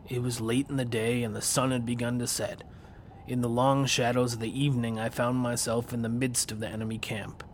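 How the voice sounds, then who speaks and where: An actor playing a grave warrior, telling his own story in a solemn, hushed first-person narration. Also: medium pitch, slight background noise, lightly acted. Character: grave Viking warrior man recounting his past.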